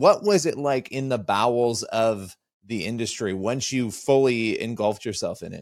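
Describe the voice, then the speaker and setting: In a normal speaking voice, a man talks at a medium pitch and a fairly slow pace. The recording is very clean, with a silent background. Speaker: interviewer, podcast host. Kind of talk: interview, conversational.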